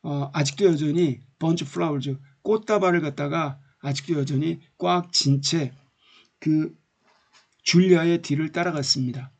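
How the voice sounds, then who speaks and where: A man teaching an English novel in a lecture, reading each line slowly and then explaining it at length. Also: on the high side, vocal fry.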